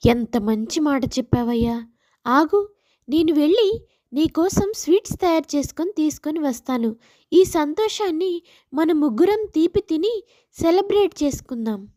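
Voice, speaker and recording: A woman's voice: high voice, lively intonation, a little slow, dark tone, no echo. A woman voicing a kind, motherly village sister-in-law in a moral story, affectionate and encouraging. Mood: happy, persuasive.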